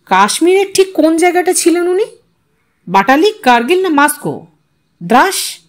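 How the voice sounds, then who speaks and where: A woman voicing a brisk, pushy male television reporter who questions with professional insistence in an audio story. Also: very high-pitched, big pitch swings, pitched above the performer's own voice. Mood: probing, insistent.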